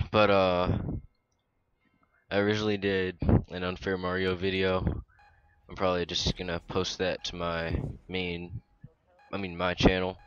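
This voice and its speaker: A young man in casual gameplay commentary, talking in a monotone with mumbled asides, close to the mic. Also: sits low, smooth, lo-fi sound. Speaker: gaming YouTuber.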